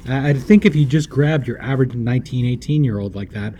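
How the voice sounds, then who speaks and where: A man's voice: medium pitch, quick pace, slight background noise. A man co-hosting a podcast in casual chat, telling stories with animation and acting out the quotes. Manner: animated storyteller who acts out quotes. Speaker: podcast co-host.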